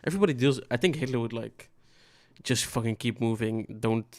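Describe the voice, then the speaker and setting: A man's voice: mid-range voice, brisk, a little mellow. A young man from the Netherlands, speaking English as an in a casual, rambling, profane podcast chat. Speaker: podcast co-host.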